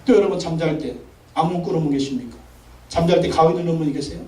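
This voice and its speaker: A man's voice: fairly high pitch, fast, darkish tone. A man preaching a Sunday sermon as pastor, making emphatic commanding declarations and repeating phrases for emphasis. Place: large church sanctuary. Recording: echoey sanctuary, mic from a distance.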